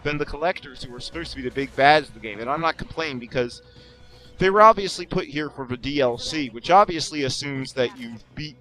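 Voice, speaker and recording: A man's voice: medium pitch, brisk, pushed and bright. A man giving casual, rambling commentary over a video game, self-deprecating and sarcastic, often restarting his sentences. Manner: sarcastic jokes. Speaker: let's play commentator.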